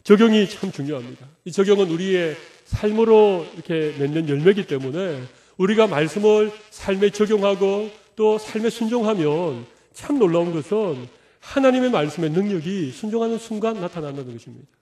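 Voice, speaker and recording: A man's voice: high-pitched, lively intonation, a little fast, dark tone. A middle-aged man preaching a sermon as pastor, conversational and humorous, acting out little quotes of everyday talk.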